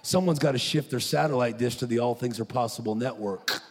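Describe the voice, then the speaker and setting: A man preaching at a conference, telling a story with animated, acted-out quotes. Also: medium pitch, brisk. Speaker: conference speaker. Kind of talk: preaching sermon. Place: large conference hall. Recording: echoey hall.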